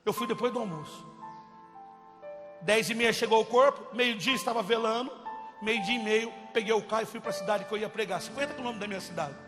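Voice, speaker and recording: Impassioned high-voiced male preacher. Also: a little fast, long reverb tail, music in the background. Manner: impassioned, swings from loud cries to hushed. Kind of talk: testimony sermon.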